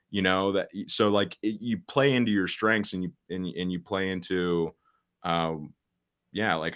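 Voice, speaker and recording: A man in his late teens, a social media coach, speaking as a podcast guest in a straightforward way, with many fillers and restarts. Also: bright, forceful tone. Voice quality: deep voice. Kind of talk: casual podcast interview.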